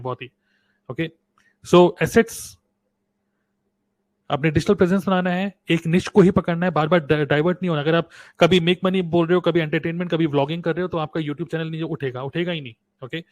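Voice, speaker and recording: A man's voice: fairly high pitch, brisk. A man from India hosting a live webinar on online earning in mixed Hindi and English, repeating key points and asking viewers to type answers in the chat, recorded on a desktop microphone. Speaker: webinar host and online business coach. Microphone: desktop USB microphone.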